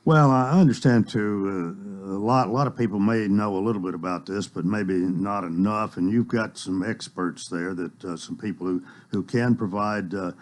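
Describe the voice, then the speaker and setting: A man hosts a small-town radio chat show in a relaxed, folksy way. He speaks in a fairly low voice and often stops to search for words. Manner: folksy, halting with many uh's. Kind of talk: casual local radio chat.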